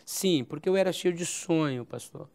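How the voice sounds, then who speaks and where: A man in his forties with a Brazilian accent from Goiás, a pastor telling his life story as a guest in an interview, with a halting style that often repeats phrases and adds "né?". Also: a little high, gravelly, a little mellow. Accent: Brazilian Portuguese, Goiás. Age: 40s. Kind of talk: recounting a personal testimony.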